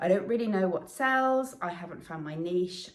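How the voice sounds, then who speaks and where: Speaking with an English accent, a woman uses a medium pitch and lively intonation. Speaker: vintage reseller and haul vlogger. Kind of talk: casual haul video talk. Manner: fast.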